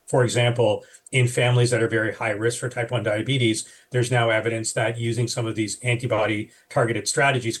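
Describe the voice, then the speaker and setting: A man's voice: medium pitch, breathy edge. A man, a physician guest on a radio panel, explaining a medical topic in a thoughtful way with fillers and restarts.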